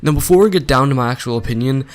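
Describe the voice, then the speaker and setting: A man's voice: medium pitch, very fast. A man with a sore throat from an infection, giving his rambling, opinionated take in a casual gaming vlog. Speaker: gaming YouTuber.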